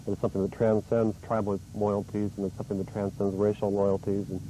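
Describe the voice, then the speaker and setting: A man hosting a local TV interview show, asking questions gently and affirming his guest often. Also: fairly low pitch, flat delivery, quick pace, poor audio. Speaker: host. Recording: 1980s cable TV studio tape, faint noise.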